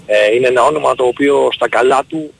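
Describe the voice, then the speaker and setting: A man in his forties calling a radio show, giving a measured, reasoned opinion with hesitant fillers. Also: medium pitch, gravelly, slight background noise, low-quality recording. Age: 40s. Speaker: caller. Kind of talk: call-in opinion.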